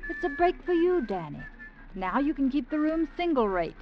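A woman's voice: sits high, sing-song, normal speed, faint music behind. An actress playing a fed-up young showgirl with a cutting, sarcastic manner in a 1950s radio drama. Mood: scornful. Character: fed-up young woman showgirl, sharp-tongued. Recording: dull old radio recording.

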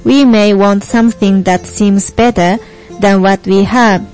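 A young woman from Japan, her voice medium in pitch, steady, measured and a little mellow, plays an earnest American Christian panelist in a scripted student stage play. Her delivery is lightly acted, earnest and measured, with music behind her.

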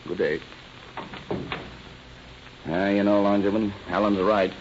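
Brief: a firm interrogating cop, old muffled radio sound with faint noise. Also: male voice, fairly low pitch, fairly even intonation, a little mellow. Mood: commanding. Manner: firm, commanding, measured. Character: firm male police captain, stern and patient. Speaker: police detective. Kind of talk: 1930s radio drama acting.

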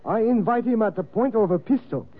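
A man's voice: high-pitched, animated, brisk. An actor playing a pushy male chauffeur-servant who speaks in clipped, broken English, in a 1940s radio drama. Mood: concerned. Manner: clipped broken phrasing, insistent. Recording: tinny old radio broadcast.

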